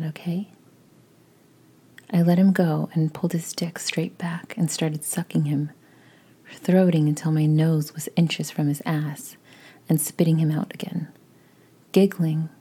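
A woman tells a story in the first person, almost entirely in an unvoiced whisper. Her voice sits low and mellow, with a husky, airy texture, and her delivery stays slow and intimate throughout. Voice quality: breathy whisper.

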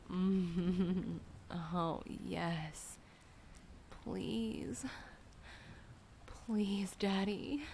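A young woman whispering softly and breathily in an intimate audio roleplay, with soft sighs between lines. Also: mid-range voice, slight background noise.

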